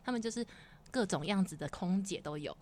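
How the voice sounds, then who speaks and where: A woman's voice: mid-range voice, expressive, brisk, darkish tone. A woman, chatting casually as an interview host in an agreeable way. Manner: agreeable, frequent short affirmations.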